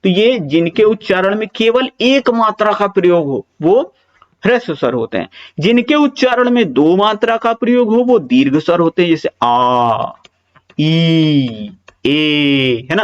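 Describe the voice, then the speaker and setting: A man's voice: high voice, dull audio. A male teacher giving an exam-prep lecture, repeating key points, asking and answering his own questions, and drawing out vowel sounds to demonstrate them.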